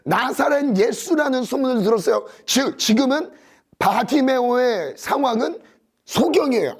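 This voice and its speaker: A man preaching a sermon as pastor, reading scripture aloud and retelling it with lively emphasis. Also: slightly rough. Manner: animated preaching with scripture reading, pitch swinging high and low.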